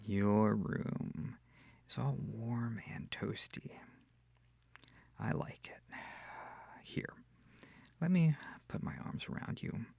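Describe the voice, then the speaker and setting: A man playing a kind, comforting incubus demon in an intimate ASMR roleplay, speaking softly and tenderly with hesitant, breathy reassurance. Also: lowish voice, lively intonation, slow pace, pauses often, dry recording, full character voice. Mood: gently obliging. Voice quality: breathy, often near whispering. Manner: soft, tender, hesitant, soothing. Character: gentle, comforting, shy-sweet male incubus demon.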